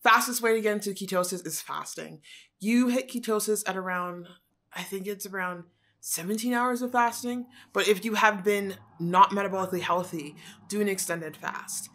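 A woman's voice: medium pitch, normal speed, fairly bright tone. A woman in her thirties, from Canada, chatting emphatically and with strong opinions in a casual grocery haul vlog filmed at home with a handheld camera. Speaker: vlogger. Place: small living room at home. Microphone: camera at arm's length.

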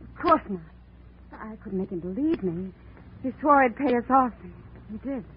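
An actress playing a melodramatic femme fatale in 1940s radio style, pleading in halting, stammering phrases. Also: female voice, a little high, expressive, natural voice. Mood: fearful, defensive. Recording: muffled, noisy 1940s radio recording.

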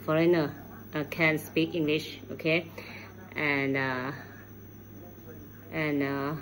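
A woman's voice: low voice, fairly even intonation, takes it slowly, a crowd in the background, low-quality recording. A middle-aged woman from Thailand with a Thai accent, speaking hesitant learner's English in an unscripted video message and searching for words. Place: room at home, indoors. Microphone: phone at arm's length.

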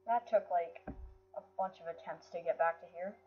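Her voice fairly low, husky and moderately paced, a woman runs her own gaming channel and talks casually while playing, faint music behind her. She's sick, which wears on her voice, and she often sounds frustrated. The dull, lo-fi sound comes from a built-in mic, no headset.

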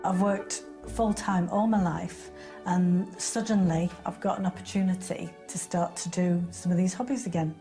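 A woman in her fifties from Leeds, reflective and soft-spoken in an interview at home, on a lapel mic. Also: lowish voice, steady tone, normal speed, faint music behind. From Leeds, England. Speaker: house-hunting guest. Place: indoors at home, living room.

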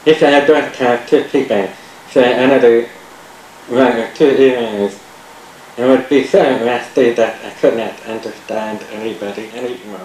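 A middle-aged man taking part in a study, repeating sentences and chatting in a slow, carefully articulated way. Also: mid-range voice, a little mellow. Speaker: research participant. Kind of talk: repeating sentences and casual chat. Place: small lab room indoors. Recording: echoey room, faint tape hiss.

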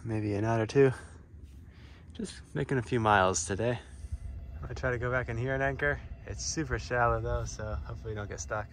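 This sailing vlogger, a man in his thirties, chats into his phone camera at arm's length while out on a small sailboat. His mid-range voice is fairly quick, his manner easygoing and rambling as he thinks aloud and hops between topics, over wind and water noise.

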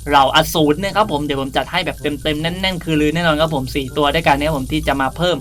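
A man with a slightly high, fairly bright voice talks fast as he hosts a casual game tutorial, chatting politely and often addressing his viewers. He's a video creator and host, and music plays behind his voice.

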